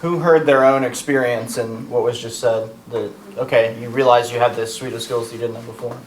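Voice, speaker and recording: Workshop facilitator, male, mid-pitched, easygoing question-asker. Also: moderate pace, slight background noise, rough recording. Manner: prompting questions, relaxed and joking. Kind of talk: leading a group discussion.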